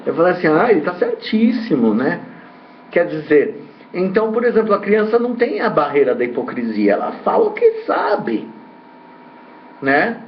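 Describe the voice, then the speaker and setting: Rambling man, slightly high voice. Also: very animated, moderate pace, slight background noise. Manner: hesitant, repeats himself, many tag questions. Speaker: ufologist host. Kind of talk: rambling commentary. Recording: dull lo-fi recording.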